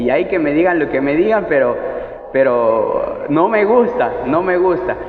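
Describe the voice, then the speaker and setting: Male preacher, conversational, higher voice, tinny echoey hall sound. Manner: conversational, asks the congregation questions. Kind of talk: sermon.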